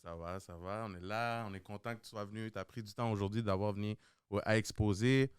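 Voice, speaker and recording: A man's voice: lowish voice, fairly even intonation, fairly quick, clean tone, no echo, studio quality. A man with a Québécois accent co-hosting a casual podcast, talking in a loose, joking way with slang and repeated words. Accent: Québécois French. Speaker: podcast co-host.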